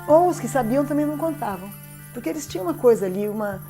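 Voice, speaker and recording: A woman's voice: sits high, lively intonation, quick pace, music in the background. A Brazilian woman speaking as an expert in an interview, explaining and checking that the listener follows. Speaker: expert commentator.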